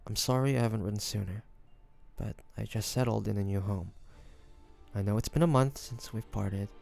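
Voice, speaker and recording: A man playing a devoted, tender young man in an intimate fantasy audio roleplay, speaking softly and hesitantly. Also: fairly low pitch, moderate pace, vocal fry, soft background music. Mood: reading warmly. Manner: soft, hesitant, sighing speech. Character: devoted, tender young man, best friend of a dragon shifter.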